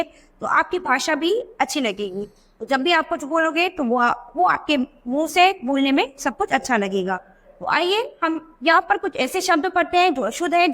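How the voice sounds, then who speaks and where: Female teacher, high voice, patient classroom explainer for small kids, repeats words, asks the class questions. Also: fairly bright tone. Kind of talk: grammar lesson for young schoolchildren.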